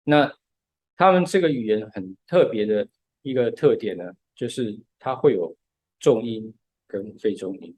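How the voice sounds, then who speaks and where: A man's voice: on the low side, animated, measured pace, darkish tone, husky, no room sound. A man, patiently explaining music step by step in a casual podcast chat.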